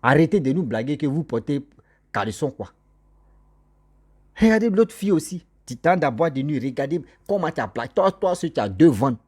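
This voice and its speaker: A man's voice: a little high, very animated, normal speed, a little mellow, slightly rough. A man lecturing his viewers in a monologue, scolding them and repeating his points as he addresses them directly. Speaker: social commentator. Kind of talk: moralizing monologue to camera.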